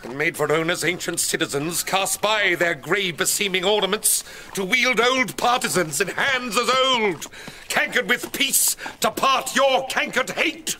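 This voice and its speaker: A stern, high-pitched commanding prince. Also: male voice, unhurried, bright, forceful tone, heavily acted, rough recording. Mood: stern judgment. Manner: commanding, formal proclamation. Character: stern, angry prince rebuking his brawling subjects. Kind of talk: declamatory Shakespearean radio acting.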